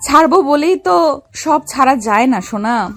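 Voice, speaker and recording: A woman's voice: high voice, lively intonation, moderate pace. A woman playing a bold young female gangster and secret officer in a dramatized love story, commanding yet affectionate. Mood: tender, determined. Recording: music under the voice.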